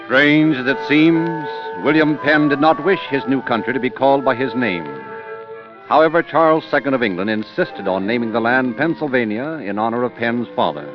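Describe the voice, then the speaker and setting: Formal old-time radio announcer, muffled. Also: male voice, medium pitch, normal speed. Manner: formal, showman-like announcer delivery. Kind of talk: 1930s radio narration and interview. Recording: muffled 1930s radio recording with music.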